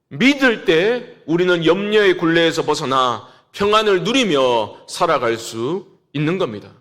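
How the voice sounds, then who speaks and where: A middle-aged male pastor preaching a sermon with emphasis, rising to scolding and dropping low again. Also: fairly bright tone. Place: church sanctuary.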